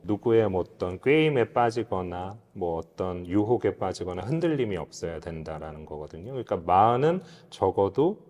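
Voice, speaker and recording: A man with a deep, slightly mellow voice appears as a guest expert in an interview, explaining philosophy. His manner is earnest and reflective, almost like a lecture. The recording has the echo of a large, hall-like room.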